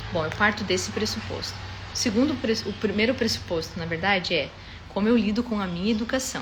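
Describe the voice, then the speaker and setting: A woman's medium-pitched voice with ordinary pitch variation, audible room echo and noticeable background noise. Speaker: mother giving parenting advice. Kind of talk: live stream talk. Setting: live stream on social media.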